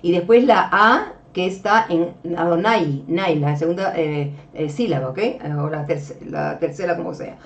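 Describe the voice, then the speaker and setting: A woman with a lowish voice gives a religious lecture over slides at a measured pace, with hardly any pauses. As a religious teacher, she explains patiently, calls listeners beloved brethren, and checks in often with "ok?" and "este." The distant, dull mic picks up a little hiss or hum.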